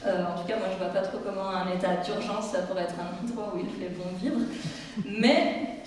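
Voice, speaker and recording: A woman's voice: mid-range voice, moderate pace, darkish tone, slight background noise. A woman in her thirties performing spoken word live on stage, talking in a musing, hesitant way with many fillers. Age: 30s. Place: live venue hall. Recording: echoey hall from far off, music.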